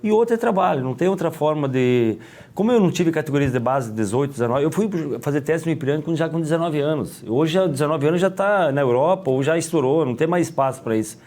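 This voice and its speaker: A middle-aged man with a Gaúcho Brazilian accent, a former footballer talking as an interview guest, rambling and halting with many restarts. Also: fairly high pitch, a little mellow. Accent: Gaúcho Brazilian Portuguese. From Rio Grande do Sul, Brazil. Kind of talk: casual interview.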